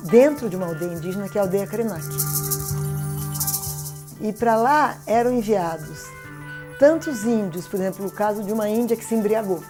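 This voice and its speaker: A Brazilian woman speaking as an expert in an interview, explaining and checking that the listener follows. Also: medium pitch. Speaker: expert commentator.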